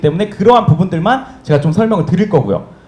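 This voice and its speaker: A man's speech moves fairly quickly. Behind him, background noise is noticeable. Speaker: customs broker and exam lecturer. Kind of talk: exam prep information session. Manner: fast.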